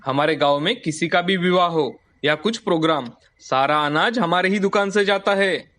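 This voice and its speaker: A man's voice: high voice, normal speed, fairly bright tone. A man voicing a proud village grain seller.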